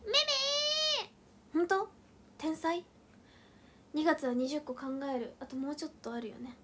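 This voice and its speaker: A young woman hosts a casual livestream, and her voice sits high and light. She chats playfully, reacts to comments with quick questions and thanks viewers one by one. Her delivery is relaxed and talkative. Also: slight background noise. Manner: counts aloud and thanks viewers by name in long lists. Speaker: idol group member hosting a livestream.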